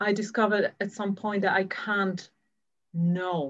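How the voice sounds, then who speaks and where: A woman's medium-pitched voice with a Polish accent, fairly even intonation and a fairly slow pace, against a quiet background. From Poland. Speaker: psychotherapist and YouTube host. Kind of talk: interview conversation.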